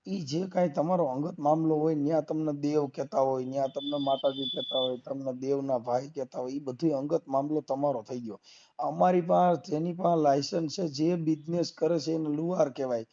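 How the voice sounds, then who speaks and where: A man's voice: on the high side, fairly even intonation, brisk, mellow. A man with a Gujarati accent argues heatedly on a phone call, insistent and combative, pressing his points with repeated rhetorical questions. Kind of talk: heated argument over the phone. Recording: muffled lo-fi phone call recording.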